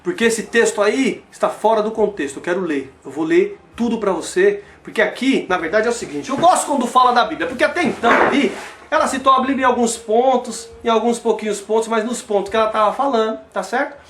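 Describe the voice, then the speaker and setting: Fired-up Brazilian man, high voice. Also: a little fast, a bit bright, roomy sound. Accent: Brazilian Portuguese. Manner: exclaims, asks rhetorical questions, addresses listeners as brother. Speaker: religious commentator. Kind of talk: impassioned religious commentary.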